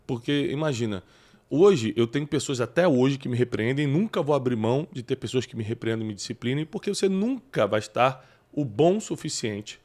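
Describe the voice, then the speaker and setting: A man hosting a talk show, animated and preachy, often bringing in scripture. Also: medium pitch, brisk. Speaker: podcast host. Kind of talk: casual chat.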